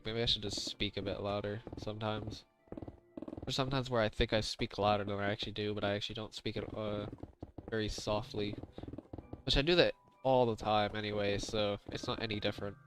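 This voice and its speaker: A quiet, soft-spoken man rambling casually on a game stream in a hesitant, low-effort, self-deprecating way. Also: steady tone, a little fast, pauses often. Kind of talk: casual rambling livestream chat. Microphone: close gaming mic with high gain. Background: music.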